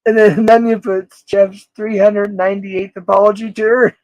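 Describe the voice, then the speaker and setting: A man's voice: high voice, little pitch movement, a little slow, a little mellow, dry recording, rough recording. A man in his forties hosting a casual livestream, rambling, laughing often and greeting chat viewers by name. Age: 40s. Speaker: livestream host.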